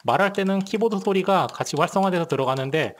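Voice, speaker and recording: A man calmly explaining software setup step by step in a screen-recorded tech tutorial, speaking into a gaming headset mic. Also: sits high, fast talker. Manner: calm step-by-step instructions. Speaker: tech reviewer.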